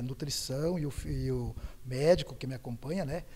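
A man's voice with ordinary pitch variation. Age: 60s. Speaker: jiu-jitsu athlete and instructor. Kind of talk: news interview; interview answer. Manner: halting. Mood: calm, proud. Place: gym. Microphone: handheld.

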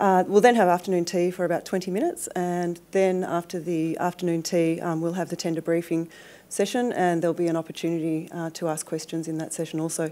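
A woman's fairly low, dark, mellow voice at a fairly quick pace, monotone and flat, with hardly any pauses. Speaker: presenter. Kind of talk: briefing presentation. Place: hall. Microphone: podium.

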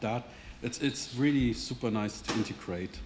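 A man with a German accent at a moderate pace, fairly even intonation, light background noise. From Germany. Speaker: indie iOS developer. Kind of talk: tech talk with live demo; Q&A answers. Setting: meetup stage with audience. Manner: halting. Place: meeting room.

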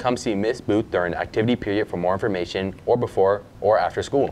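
A man at a very fast pace and fairly low pitch, with ordinary pitch variation over light background noise. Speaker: student announcer. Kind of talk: read announcements. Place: studio.

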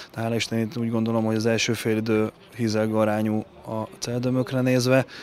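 A man's flat, monotone delivery at a moderate pace, dry with no echo, over light background noise. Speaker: football coach. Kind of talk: interview answer. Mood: calm, satisfied after win. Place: open country. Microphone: handheld.

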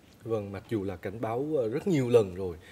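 The voice is dark, mellow and somewhat breathy, moving at a moderate pace. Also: man. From Vietnam. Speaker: news anchor. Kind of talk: news reading. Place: studio. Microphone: lapel.

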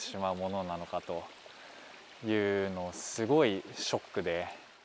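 Light background noise accompanies a man's fairly low voice, and the sound is dry with no echo. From Niigata, Japan; Japan. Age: 20s. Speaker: campsite manager, rural migrant. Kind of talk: interview. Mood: reflective, gently smiling. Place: forest. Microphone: lapel.

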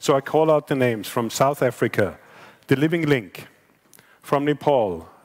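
A man at a moderate pace, with ordinary pitch variation, against a quiet background. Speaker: award presenter; presenter. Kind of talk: award presentation. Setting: stage with audience. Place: hall. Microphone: headset.

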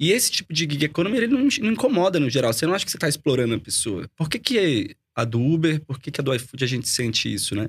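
Very fast and with hardly any pauses, a man speaks in a fairly high, somewhat breathy voice with very wide pitch swings. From Brazil, Fortaleza (Ceará); Ceará, Brazil. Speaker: tech entrepreneur, CTO; podcast guest. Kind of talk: podcast interview. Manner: casual, filler-heavy. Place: studio. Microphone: studio mic.

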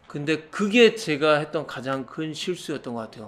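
Lively intonation and an animated tone mark this man's speech, delivered at a fairly slow pace. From South Korea. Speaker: hat business owner and YouTuber; YouTuber. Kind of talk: casual vlog monologue. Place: workshop.

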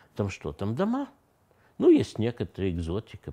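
A man's dark, mellow tone. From France, Grenoble area; France. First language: French (speaking Russian). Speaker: retired army general. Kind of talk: interview. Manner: halting. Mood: cheerful, animated. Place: home room.

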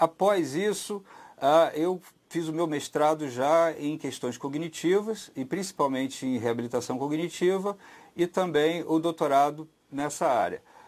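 In a Carioca accent, a man speaks at a fairly slow pace. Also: fairly high pitch for a man, ordinary pitch variation. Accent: carioca Brazilian Portuguese. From Rio de Janeiro, Brazil. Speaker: geriatrician; physician lecturer. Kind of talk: lecture. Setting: web lecture. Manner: hesitant, many fillers. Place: studio. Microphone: lapel.

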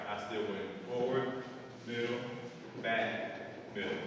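A man speaks with noticeable background noise. Strong room echo surrounds his voice. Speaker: dance instructor. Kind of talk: dance class instruction, counting steps. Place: hall. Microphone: camera far.

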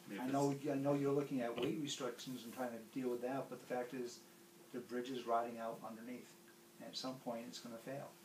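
Amid light background noise and audible room echo, a man speaks at a fairly quick pace in a monotone, flat intonation. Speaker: public works official. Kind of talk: public board meeting. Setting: public meeting room. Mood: earnest, concerned. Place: meeting room. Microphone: camera far.

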